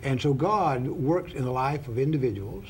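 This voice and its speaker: A man hosting a Christian television talk show, speaking in a deliberate, sermon-like way with frequent "uh" fillers. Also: mid-range voice, expressive, slight background noise. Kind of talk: preachy opening then interview.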